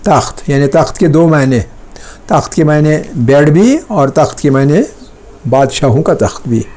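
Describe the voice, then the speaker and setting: A man's voice: fairly high pitch, animated, measured pace, darkish tone. A male teacher giving a classroom language lesson, patiently explaining and repeating each word many times, checking in with pupils through short questions. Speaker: Persian teacher. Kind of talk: classroom lesson, dictating and drilling words.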